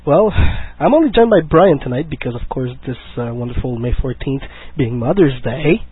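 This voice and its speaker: A man with a husky voice, sick this week, hosting a casual fan talk show and chatting in a joking, rambling way. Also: mid-range voice, animated, moderate pace. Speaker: podcast host. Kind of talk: casual chat. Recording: lo-fi phone-like internet stream.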